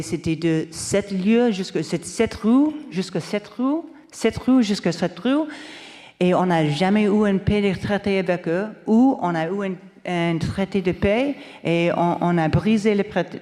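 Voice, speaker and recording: A journalist from Canada speaking on a panel, halting and searching for words with many restarts. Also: female voice, medium pitch, warm tone. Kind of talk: round-table remarks. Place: lecture hall. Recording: long hall reverb.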